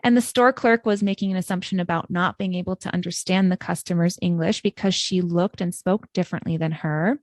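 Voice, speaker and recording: A woman's voice: on the low side, steady tone, no room sound. Earnest woman co-host, dry close sound. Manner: measured, affirming, earnest. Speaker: podcast co-host, English teacher. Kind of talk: scripted podcast discussion.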